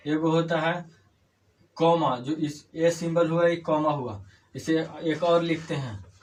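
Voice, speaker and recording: A man teaches an English grammar class, explaining step by step in a slow, somewhat high voice and repeating key words back as questions. The lecture is picked up by a distant mic with faint room noise.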